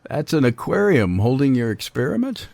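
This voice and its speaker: An actor playing a male radio reporter who is smooth on air but awkward in private. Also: mid-range voice, very animated, normal speed, darkish tone, no room sound.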